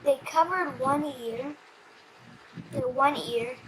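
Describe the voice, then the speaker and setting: A child reading a comic storybook aloud in an animated, slightly stumbling way. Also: high voice, slow, noisy background.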